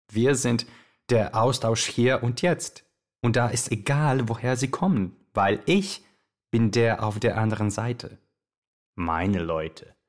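A man playing a radio host, chatting in an informal, confiding way. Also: lowish voice. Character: casual, candid Serbian-German male radio host. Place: radio studio.

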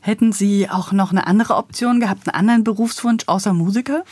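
A woman radio host conducting an interview, asking measured, clear questions. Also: mid-range voice, darkish tone, no room sound.

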